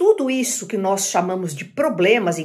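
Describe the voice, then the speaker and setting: Very wide pitch swings mark this woman's voice. She is somewhat breathy and keeps a moderate pace. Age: 60s. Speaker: physician and archetype teacher. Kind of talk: online lecture. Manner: didactic, conversational.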